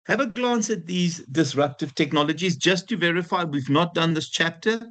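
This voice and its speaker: A man's voice: fairly high pitch, moderate pace, a bit bright. A man with a heavy Afrikaans South African accent, lecturing a class informally and conversationally, often repeating himself and putting questions to the students. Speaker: university lecturer.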